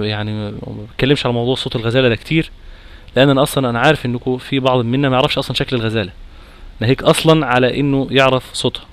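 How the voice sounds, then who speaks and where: A man with an Egyptian accent teaching a Quran recitation lesson, nasal and congested from a cold, lively and quizzing his class. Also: mid-range voice. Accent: Egyptian Arabic. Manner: lively, questions the class, chants recitation examples.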